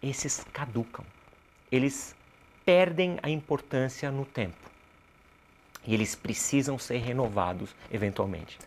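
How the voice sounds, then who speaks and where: A Brazilian man gives explanatory answers as a guest in an interview. His pitch sits in a medium range. He builds his points like a teacher, posing questions and then answering them himself. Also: unhurried. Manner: didactic, poses rhetorical questions and answers them. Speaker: interview guest, cultural producer and activist.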